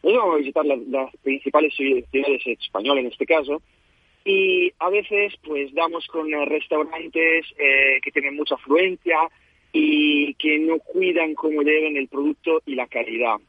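A man from Italy with an Italian accent, a native Italian speaker, chatting as a restaurant co-founder in a phone interview, hesitant with many fillers and quick to laugh. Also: fairly high pitch, no echo. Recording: tinny dry phone line.

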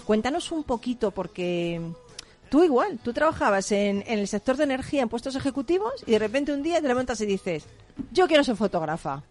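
A woman hosting a radio interview show, introducing her guest with lively enthusiasm. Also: fairly high pitch, a little fast. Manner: enthusiastic, exclamatory. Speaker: host.

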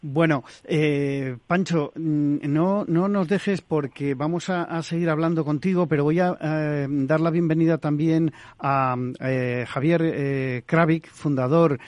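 A man hosts a podcast interview, his voice slightly above average in pitch. He speaks in a halting way with frequent fillers as he introduces guests and poses questions. The sound is dry and close. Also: steady tone, a little mellow, no echo. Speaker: podcast host. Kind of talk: hosting an interview.

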